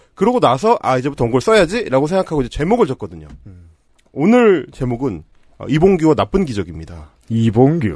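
Very wide pitch swings at a fairly quick pace. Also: man, fairly high pitch for a man. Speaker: fake news debunker. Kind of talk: casual chat. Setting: studio. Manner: animated.

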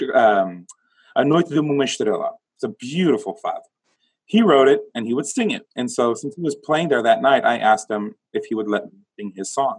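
A man with a Californian accent speaks at a moderate pace in a fairly high voice, his pitch swinging very widely. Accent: Californian American English. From US West Coast, San Jose, California. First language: Portuguese. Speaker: fado singer. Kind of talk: casual interview.

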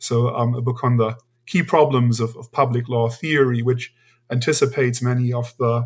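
A man's somewhat breathy, medium-pitched voice in a German accent, monotone and flat, on a very clean recording with a silent background. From Germany. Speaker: law professor. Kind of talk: academic interview. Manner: hesitant, many repetitions and fillers.

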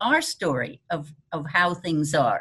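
A woman speaks at a fairly slow pace, her voice somewhat breathy, against a quiet background. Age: 80s+. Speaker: evolutionary biologist. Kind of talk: interview. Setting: video call.

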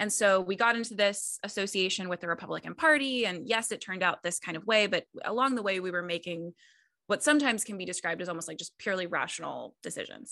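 Against a quiet background, a woman with a bright, sharp tone and medium pitch speaks at a very fast pace. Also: ordinary pitch variation. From US, military family, moved often. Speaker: writer and theology doctoral student. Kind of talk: podcast interview.

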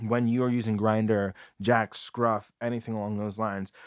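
A man with an American accent speaks at a moderate pace, with a fairly low pitch and ordinary pitch variation. The recording is very clean, with a silent background and a dry, close sound with no echo. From New Jersey. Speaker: event planner. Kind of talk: personal storytelling. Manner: hesitant, many fillers.

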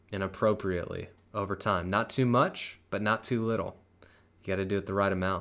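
A man with an American accent speaks in a fairly low, unremarkable speaking voice at a moderate pace. His intonation is fairly even, and the recording is very clean, with a silent background. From US South, Georgia. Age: 20s. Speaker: health coach, podcast host. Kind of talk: solo motivational podcast monologue.

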